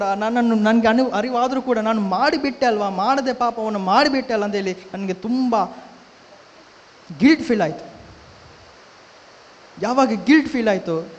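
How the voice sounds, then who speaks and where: A high-voiced man tells his testimony with fervor, repeating phrases and putting questions to his listeners. His voice rings through a large church hall with a long echo. The recording is dull and lo-fi. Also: darkish tone, slight background noise. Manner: fervent, repetitive, with rhetorical questions to listeners. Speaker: church member giving testimony. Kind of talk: emotional personal testimony. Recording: echoey hall, dull lo-fi sound.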